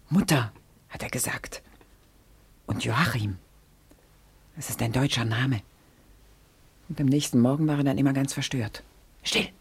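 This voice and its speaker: Low, husky scheming madame. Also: female voice, exaggerated voice. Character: suspicious French madame, scheming, desperate for her husband. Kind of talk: German radio play acting.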